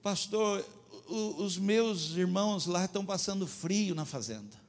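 A man preaching, acting out a tearful friend who urgently pleads for help with warm clothes. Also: sits high, lively intonation, unhurried, pitched above the performer's own voice. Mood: pleading.

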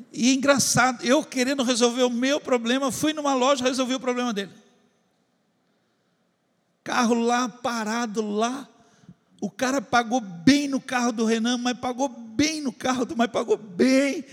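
A man's voice: very high-pitched, in a large hall. A man preaching a testimony to a congregation, telling a story and acting out his own prayers and conversations.

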